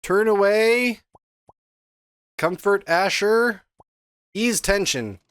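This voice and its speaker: A man's voice: high voice, very slow, fairly bright tone, clear, resonant tone. A man streaming a story game, chatting playfully and making jokey asides as he reads. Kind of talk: casual game stream, reading story aloud.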